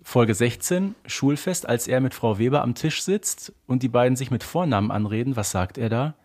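A man with a German accent and a husky, mid-pitched voice chats as a podcast co-host. He makes his points with emphasis and likes to put questions to his partner. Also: moderate pace, a little mellow. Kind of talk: casual fan-podcast discussion.

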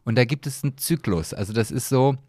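A man's voice: mid-range voice, animated, fast, mellow, dry recording, studio quality. A man with a German accent co-hosting a podcast in casual, playful, rambling chat. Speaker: podcast co-host.

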